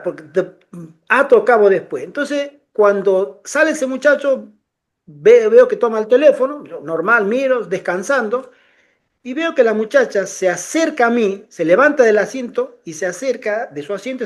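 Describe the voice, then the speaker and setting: A middle-aged man shares personal stories in casual conversation, speaking at a moderate pace with a voice that sits high. He's animated, often restarts phrases, and acts out the voices of the people in his anecdotes.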